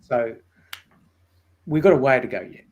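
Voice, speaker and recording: An Australian man explaining his points in a measured way during a podcast debate, often checking in with "right?". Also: medium pitch, animated, darkish tone, lo-fi sound, slight background noise. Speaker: debate guest.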